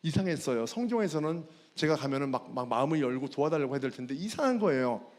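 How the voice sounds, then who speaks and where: A man's voice: on the high side, lively intonation, fast talker. A fitness trainer giving a personal faith testimony at a school chapel service. He tells the story with animation and keeps calling out to the audience. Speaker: fitness trainer and guest speaker. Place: large worship hall. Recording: long hall reverb.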